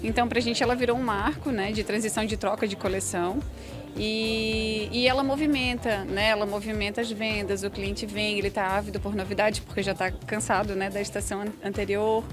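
A woman's voice: medium pitch, fairly even intonation, a little fast. Woman in her thirties, interview at a busy stand, handheld mic, music behind. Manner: hesitant, many fillers and restarts. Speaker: shoe company representative. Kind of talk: casual interview. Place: trade show stand. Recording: clear music under speech.

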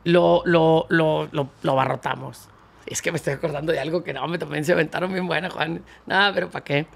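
A man, a band founder and accordionist, telling slangy, animated anecdotes as a guest in a casual interview. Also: on the high side, fairly quick, vocal fry.

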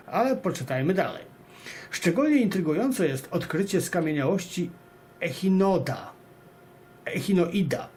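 A man's voice: a little high, a little mellow, slight background noise. A man hosting, reading an article aloud and adding emphatic, rhetorical comments addressed straight to viewers. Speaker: video host and narrator.

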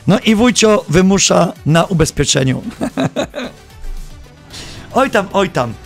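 A man streaming live, giving gameplay commentary in an animated, joking and playfully exasperated way. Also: sits high, slow, vocal fry, soft background music.

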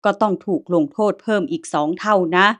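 A woman voicing a huge, gruff male guard of the underworld who barks coarse orders. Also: mid-range voice, moderate pace, darkish tone, lightly acted. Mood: scolding. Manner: barking, coarse.

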